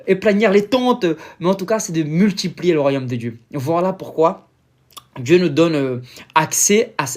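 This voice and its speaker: Brazilian man preaching in French, halting. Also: high voice. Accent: Brazilian Portuguese. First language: Portuguese. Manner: hesitant, many fillers, searching for words. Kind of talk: informal sermon to camera.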